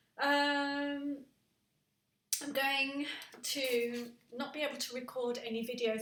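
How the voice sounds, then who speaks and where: A woman speaks in a British accent with fairly even intonation. The room echo is audible. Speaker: beauty YouTuber and makeup artist. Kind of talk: live stream chat. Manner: halting, stumbles over words.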